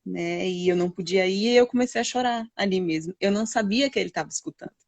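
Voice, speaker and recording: A woman's voice: mid-range voice, dry recording. Emotional mother telling her story. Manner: halting, emotional storytelling with many fillers. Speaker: guest mother. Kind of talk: personal storytelling in a live chat.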